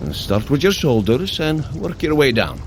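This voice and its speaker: A bold, hearty Norse god of thunder for an audio drama. His speech is grand and old-fashioned, swinging widely in pitch, over a faint rumbling backdrop. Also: big pitch swings, measured pace, noisy background. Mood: commanding. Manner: grand, archaic phrasing, theatrical.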